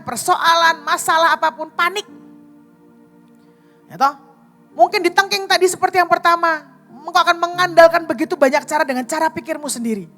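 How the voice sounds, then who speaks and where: A woman evangelist preaching a sermon in a lively, conversational way, telling a personal story and often addressing the congregation directly with tag questions and dramatic pauses. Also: a little high. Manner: animated, addresses listeners as brothers and sisters.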